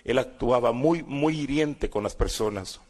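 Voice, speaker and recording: A man's voice: medium pitch, unhurried, a little mellow. A man in his sixties with a Guatemalan accent, giving a personal testimony as a dramatic storyteller who acts out the voices of people in his past. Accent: Guatemalan Spanish. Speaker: former guerrilla giving testimony.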